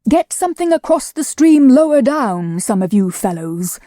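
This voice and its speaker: A woman's voice: high voice, very animated, moderate pace, mellow, dry recording, studio quality, pitched above the performer's own voice. A woman voicing a bustling male rabbit who calls out orders urgently. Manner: urgent calling.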